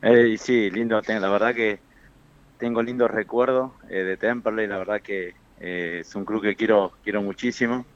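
A man, a football coach, answering radio interview questions in a halting way with repeated words. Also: fairly low pitch, fairly even intonation, dull audio. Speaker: football coach and former player.

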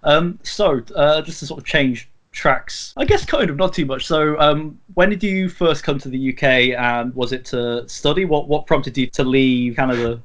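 A man hosting a podcast, asking curious follow-up questions in a relaxed chat. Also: on the high side, normal speed, few pauses. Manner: curious, gently probing questions. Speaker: podcast host. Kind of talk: casual interview chat.

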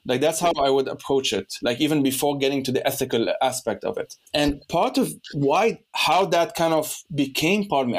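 Rambling young man from Lebanon. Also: medium pitch. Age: young adult. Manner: rambling, many restarts and fillers. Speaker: podcast host. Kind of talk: casual conversation.

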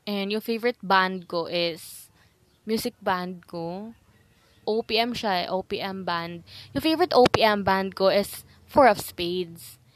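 A woman's voice: mid-range voice, measured pace, dry recording. A teenage girl from the Visayas with a Filipino accent, whose first language is Bisaya, chatting casually and rambling with giggles on her own podcast. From Visayas, Philippines. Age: mid-teens. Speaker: podcast host. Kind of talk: casual solo podcast chat.

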